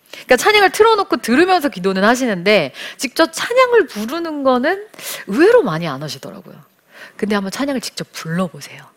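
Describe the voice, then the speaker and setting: Earnest woman teaching on prayer, lively pitch. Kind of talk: gentle devotional teaching.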